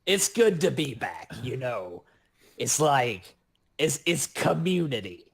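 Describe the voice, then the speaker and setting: A man's voice: medium pitch, very animated, takes it slowly, gravelly, breathy edge. A man chatting casually and jokingly as a player in a live online tabletop game.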